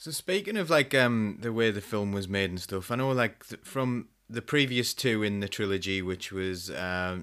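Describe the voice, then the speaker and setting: A man with an unremarkable speaking voice, a fairly low pitch, ordinary pitch variation and a moderate pace. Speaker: show host. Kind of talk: moderated panel interview. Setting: online livestream.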